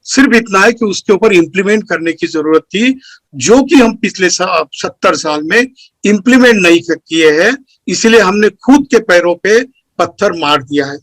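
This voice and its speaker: High-pitched man giving an earnest speech. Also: animated, normal speed, fairly bright tone, dry recording, low-quality recording. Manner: earnest, lecturing, lists points one by one. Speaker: speaker at a community meeting. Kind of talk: formal speech.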